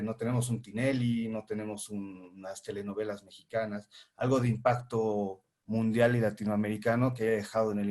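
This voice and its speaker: A man speaks on a film panel, his voice sitting somewhat low. He talks in a measured, reflective way, pausing often on fillers and restarting phrases as he works out his thoughts. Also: darkish tone. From Bolivia. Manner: hesitant, many fillers and restarts. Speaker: filmmaker and teacher on a panel.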